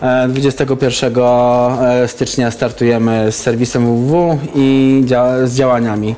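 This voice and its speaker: A male interview guest speaks in a mellow, mid-pitched voice with little melodic movement. He explains things informally, picking his way carefully and haltingly through each point. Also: fairly even intonation. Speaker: interview guest, campaign activist.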